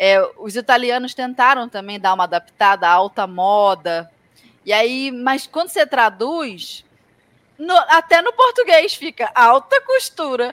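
A woman's high voice swings very widely in pitch as she speaks at a fairly slow pace, the sound dry and close with no echo. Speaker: podcast host and youtuber. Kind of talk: podcast interview. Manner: upbeat.

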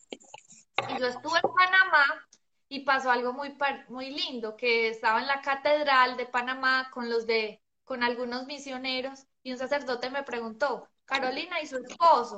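A woman speaks with a high pitch at a fairly slow pace. Her pitch varies in an ordinary way. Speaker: guest telling her story.

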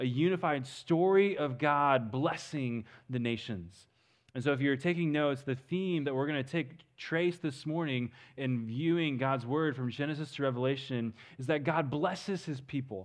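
A man with an American accent has a plain, everyday voice at a fairly high pitch. He talks at a moderate pace with ordinary pitch variation against a quiet background. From western Kansas. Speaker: missions mobilizer, guest speaker. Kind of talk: sermon. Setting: church.

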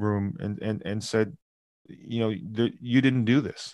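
With a plain, everyday voice, a man speaks at a moderate pace and a medium pitch, with ordinary pitch variation, over a quiet background. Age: 50s. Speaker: former radio technical producer, cancer patient. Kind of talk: casual interview conversation.

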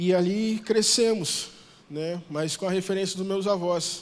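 A man speaks at a high pitch. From interior of São Paulo, Brazil. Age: 40s. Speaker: church speaker giving testimony. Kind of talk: testimony and sermon in church. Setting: church.

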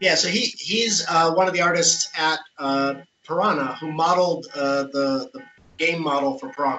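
A man's high-pitched voice at a moderate pace, with lively intonation. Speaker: game creator guest. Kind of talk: interview. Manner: halting.

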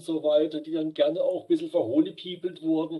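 A man's high-pitched voice with a dark, mellow tone and fairly even intonation. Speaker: author and systems theorist. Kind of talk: interview.

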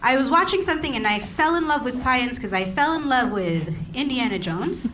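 A woman's high voice with very wide pitch swings at a moderate pace, amid noticeable background noise and audible room echo. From Philippines. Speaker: comedian and former scientist. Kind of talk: casual chat.

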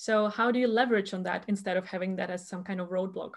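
Against a quiet background, a woman talks very fast with fairly even intonation. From Ukraine. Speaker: podcast host. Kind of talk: interview conversation.

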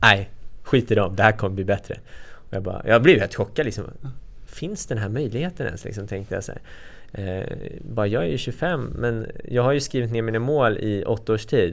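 A man in a normal speaking voice talks at a moderate pace and medium pitch, with big swings in loudness. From Stockholm suburbs, Sweden. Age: 20s. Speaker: entrepreneur and investor. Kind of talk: interview.

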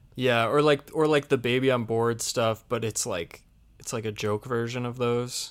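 In a very clean recording with a silent background, a man talks at a moderate pace and medium pitch in an ordinary speaking voice. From Michigan. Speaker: podcast co-host. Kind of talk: casual chat.

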